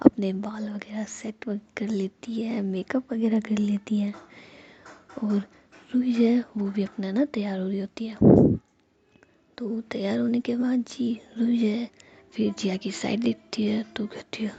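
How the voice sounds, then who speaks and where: A woman narrating a story in a soft, conversational whisper. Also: medium pitch, gravelly. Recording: dull lo-fi with faint hiss.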